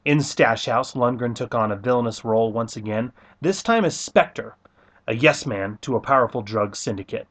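A man's voice: medium pitch, normal speed, a bit bright. A man hosting a podcast, reading an upbeat scripted introduction. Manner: upbeat, enthusiastic. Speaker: podcast host.

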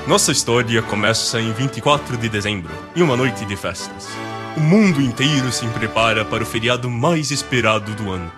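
A man's voice: mid-range voice, animated, fairly quick, close to an everyday voice. A man acting as the narrator of a Christmas radio drama, telling it in a scripted storybook style. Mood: storytelling. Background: music.

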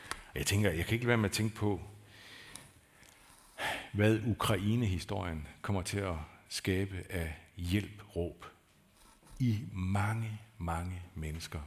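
A male pastor delivers a sermon in a church with a fairly low voice. He talks to the congregation in a loose, conversational way. He falters over words at times and builds to emphatic peaks.

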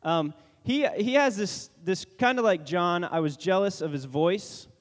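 A man's voice: sits high, animated, a little slow. A man making casual church announcements, joking and rambling with many restarts. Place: church sanctuary. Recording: long reverb from a large church hall.

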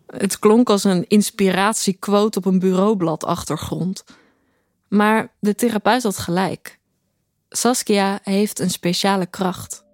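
An actress playing a detached, introspective woman who narrates her own story in a deadpan, reflective way for an audio drama. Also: mid-range voice, slow, no room sound, clean studio sound, close to an everyday voice. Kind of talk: scripted first-person audio drama narration. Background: music.

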